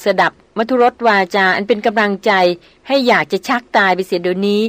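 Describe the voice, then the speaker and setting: A woman's voice: mid-range voice, brisk, a bit bright, dry recording, natural voice. A woman reading a wry male jungle hunter. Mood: teasing. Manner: dry, teasing. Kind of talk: audiobook novel reading.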